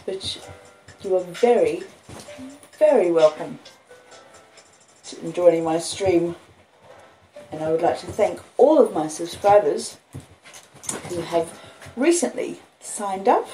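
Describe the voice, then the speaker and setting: Slow, low-voiced Australian woman livestreaming. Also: animated, dark tone, soft background music. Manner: unhurried, rambling, with halting pauses. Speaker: host of a live-streamed book reading. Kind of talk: casual livestream chat. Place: front room of a house with street noise. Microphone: phone and an old laptop. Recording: noisy home phone recording. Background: street noise, house creaks, puppy, lo-fi beats.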